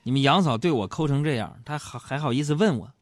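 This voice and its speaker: A man hosting a radio show, telling self-mocking comic stories in an animated way, recorded in a studio. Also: medium pitch, quick pace, dry recording, soft background music. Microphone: studio microphone.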